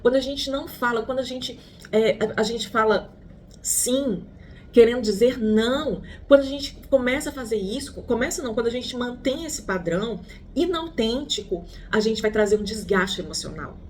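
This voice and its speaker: A woman's voice: fairly high pitch, moderate pace, a little hiss or hum. A woman psychologist with a Brazilian Portuguese accent, teaching an online lesson conversationally, calling the listener her friend and asking rhetorical questions.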